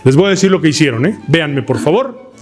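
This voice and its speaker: Mexican guy running a speaking workshop, kinda high voice, keeps quizzing the room, bit of music faint behind. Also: quick pace. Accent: Mexican Spanish. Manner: lively, asks the class questions, shouts demonstrations. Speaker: oratory workshop instructor. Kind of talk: live workshop lecture to a room. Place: lecture hall with fabric ceiling.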